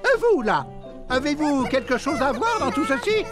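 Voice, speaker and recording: An actor voicing a fussy, excitable little male golfer in a children's cartoon, theatrical and exclamatory. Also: high-pitched, moderate pace, music in the background. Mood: dismayed. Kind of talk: French children's cartoon dub.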